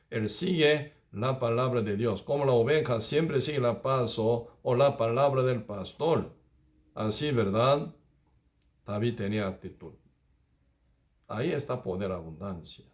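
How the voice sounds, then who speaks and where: A man preaching a Bible study as a pastor, speaking with halting phrasing, repeating himself and often adding tag questions. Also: medium pitch. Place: church.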